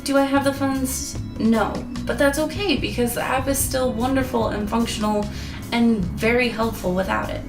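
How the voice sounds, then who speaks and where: Hoarse young woman, gravelly vlog voice. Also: on the high side, steady tone, moderate pace. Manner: chatty, earnest, rambling. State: losing her voice. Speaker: app reviewer. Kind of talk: casual review vlog. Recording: echoey room with guitar music.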